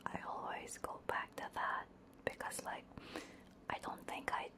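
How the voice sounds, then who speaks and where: Slow, hushed woman whispering ASMR. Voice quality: breathy whisper. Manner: slow, halting, casual. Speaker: VTuber streamer. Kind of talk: ASMR livestream chat. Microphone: close binaural ASMR microphone.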